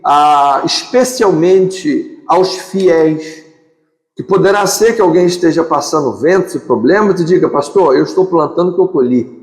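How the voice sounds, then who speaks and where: High-voiced Brazilian pastor preaching in a hall. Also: male voice, a little mellow. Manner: emphatic preaching with repeated phrases and lists. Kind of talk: sermon. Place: church sanctuary. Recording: echoey hall with long reverb.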